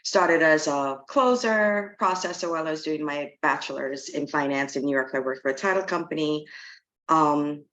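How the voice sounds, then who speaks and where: A middle-aged woman from Trinidad, a real estate agent, talks frankly and conversationally as an interview guest. She's plainspoken, with a low, slightly bright voice at normal speed, and the recording's highs are cut off.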